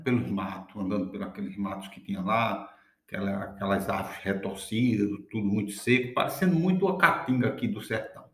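A man telling a folk tale in a relaxed, folksy way, often tossing in little tag questions. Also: medium pitch. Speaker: storyteller. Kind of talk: casual oral storytelling. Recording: echoey room.

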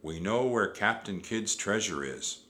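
An earnest young boy in a storybook adventure, voiced by a man. He is careful and curious, with short replies and questions. His pitch moves around in a lively way and the tone is bright. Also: a little slow.

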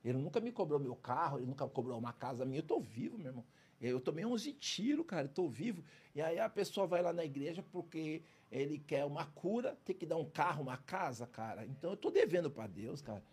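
Very animated and fast-talking, the interview guest has a slightly high, somewhat mellow voice with a breathy edge. Once a criminal and now a speaker in prisons, he shares his story casually but emphatically, streetwise in tone, forever adding "entendeu?" and "cara."

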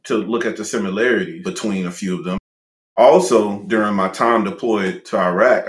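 A middle-aged man co-hosting a casual panel talk show, animated and quick to laugh and tease. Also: on the low side. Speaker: podcast co-host. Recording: roomy echo.

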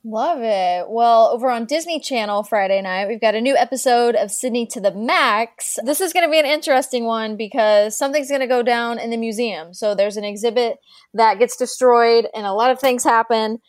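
Brief: upbeat woman co-host, higher voice, dry and close. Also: normal speed, dry recording. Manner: upbeat, rambling. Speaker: podcast co-host. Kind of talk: casual podcast chat.

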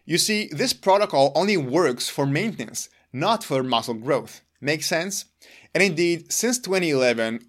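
A man whose first language is Hebrew, earnestly explaining his own exercise routine to the camera in a deliberate, emphatic way. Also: on the high side, fairly bright tone. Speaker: longevity vlogger.

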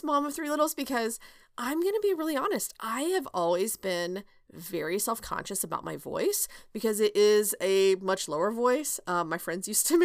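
A woman chats through her solo podcast, candid and loose, with plenty of fillers and quick laughs. Her voice sits in an ordinary middle pitch. The sound is dry and close, with no room around it. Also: vocal fry, no echo. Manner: chatty and candid, many fillers and restarts, laughs often. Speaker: podcast host and OB/GYN. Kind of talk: casual solo podcast chat.

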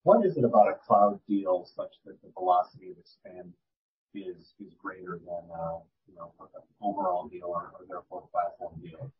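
Husky man on an echoey call line. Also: deep voice, moderate pace. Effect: echo on his audio line. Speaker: analyst asking questions. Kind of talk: questions on a video call. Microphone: video call. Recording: muffled echoey call audio.

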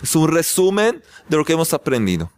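Animated, lively male spiritual teacher. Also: fairly high pitch, fairly quick, clear, resonant tone, no room sound, clean studio sound. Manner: animated storytelling, acts out shouted scenes; emphatic repetition of key phrases. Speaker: religious teacher. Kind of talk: spiritual class lecture.

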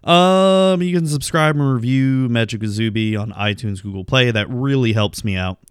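A man's voice: medium pitch, moderate pace, clean tone, dry recording, clean studio sound. A man hosting a casual solo podcast, rambling through plugs and game talk with lots of ums. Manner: rambling, filler-heavy, self-deprecating. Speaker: podcast host.

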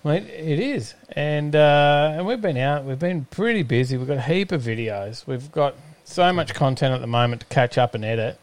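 A man's voice: fairly high pitch, animated, normal speed, hardly any pauses, dry recording. An Australian man hosting a live stream in casual, rambling chat, hesitating often as he goes. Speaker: host of a live-streamed show.

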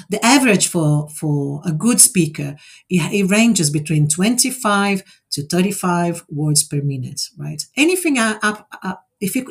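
A woman's voice: on the low side, husky. A woman in her forties, a native Portuguese speaker, hosting an online speaking exercise and explaining it in an encouraging way. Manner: explanatory, encouraging, frequent "right?" tags. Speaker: host of a speaking exercise session. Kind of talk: casual online group session.

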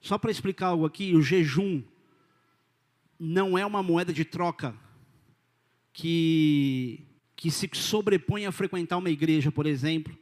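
A man with a Brazilian accent preaching a sermon as pastor, in an informal, direct and animated way that swings between loud and quiet. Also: a little high, measured pace, long pauses. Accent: Brazilian Portuguese. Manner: informal, direct, addresses listeners as "cara" and "querido". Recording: long hall reverb.

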